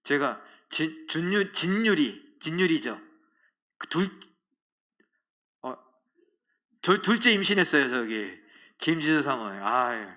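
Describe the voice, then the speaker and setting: A middle-aged man preaching a sermon in a church, emphatic and animated, swinging from loud appeals to quiet asides. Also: fairly high pitch, takes it slowly, pauses often. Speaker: pastor. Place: church sanctuary.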